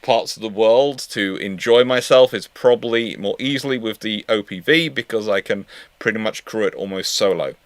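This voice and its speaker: A man hosting a casual live panel chat, reading out questions in a halting, stammering way that often repeats words. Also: lowish voice, dry recording.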